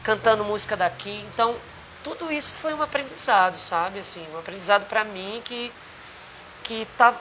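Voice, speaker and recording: A man's voice: high voice, moderate pace, pushed and bright, slight background noise. A man with a Potiguar accent from northeastern Brazil, a singer and actor talking earnestly in a rambling interview with many restarts. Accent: Potiguar Brazilian Portuguese. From Rio Grande do Norte, Brazil. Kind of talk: casual interview chat. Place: bar.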